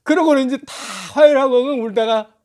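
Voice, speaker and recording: A man's voice: very high voice, fast. A man retelling a Bible story dramatically, with lots of emotion, and acting out the characters' lines. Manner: animated, dramatic, acts out dialogue.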